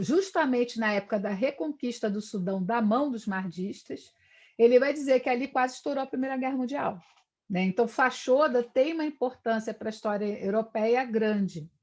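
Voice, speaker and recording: A middle-aged woman from Brazil lecturing on history, talking in long discursive runs and tagging her sentences with questions. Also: high voice. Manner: discursive, frequent "né?" tags. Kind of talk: live online lecture.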